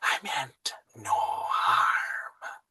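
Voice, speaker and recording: A man whispers. He uses a put-on character voice. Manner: apologetic, polite.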